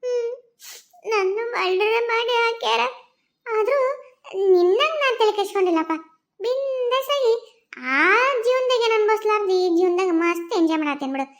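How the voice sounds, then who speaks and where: A woman plays a carefree female ghost in a cartoon, with a very high, squeaky-bright voice and a North Karnataka Kannada accent. She talks in a chatty, folksy way, soothing and coaxing a fellow spirit. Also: moderate pace. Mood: consoling. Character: cheerful murdered female ghost, carefree and consoling. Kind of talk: cartoon voice acting.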